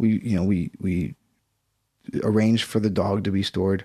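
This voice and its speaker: In an American accent, a man with a fairly low voice and a dark, mellow tone speaks with fairly even intonation. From United States. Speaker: dog trainer. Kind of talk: casual chat. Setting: studio.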